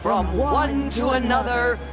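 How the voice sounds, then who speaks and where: An actress playing a solemn matriarch leading a tribal ritual in a video game, in a declamatory ceremonial style. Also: female voice, on the high side, takes it slowly, over a noisy crowd. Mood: reverent. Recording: loud music under the voice.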